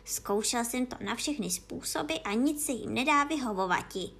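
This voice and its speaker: A woman voicing a suspicious, complaining male pigeon in a storybook reading, with a lowered, gruff, scolding voice. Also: animated, fairly bright tone, full character voice. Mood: grumbling.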